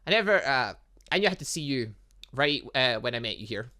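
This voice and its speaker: A man voicing an excitable, flirty female romance novelist from a visual novel game, gushing and theatrical. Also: medium pitch, a little fast, pitched below the performer's own voice. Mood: eager. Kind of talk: visual novel game dialogue read aloud.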